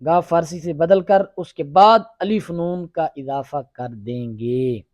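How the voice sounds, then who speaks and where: A male teacher leads a classroom grammar lesson. He fires short questions at his students and makes them repeat forms back to him. His voice sits a little high and sounds close and dry, with no room echo. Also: a little mellow, muffled recording. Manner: drills students with quick questions and repetitions.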